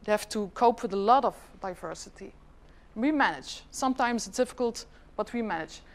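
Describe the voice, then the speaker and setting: Speaking fairly quickly with a fairly high pitch and lively intonation, a middle-aged Flemish department head from Flanders, Belgium, presents at a conference in a chatty way and asks the audience questions. Dutch is her first language.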